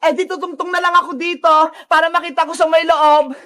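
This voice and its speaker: A woman voicing a bossy friend on a rescue, hurried and commanding. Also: extremely high pitch, steady tone, pushed and bright. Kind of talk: Tagalog cartoon voice acting.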